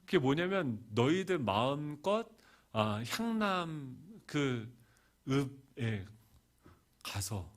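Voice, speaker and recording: A middle-aged male pastor preaching a storytelling sermon, swinging from hushed asides to loud, animated bursts. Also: medium pitch, extremely slow.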